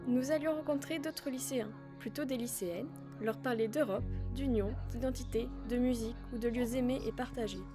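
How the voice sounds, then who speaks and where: High-voiced teenage girl narrating. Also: fairly quick, few pauses. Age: teens. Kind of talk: scripted documentary narration. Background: background music.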